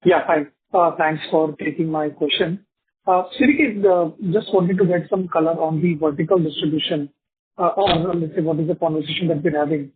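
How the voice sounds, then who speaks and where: A man's voice: a little high, steady tone, moderate pace, slight background noise. A man asking questions as an analyst on an earnings call. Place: phone call. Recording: thin phone line.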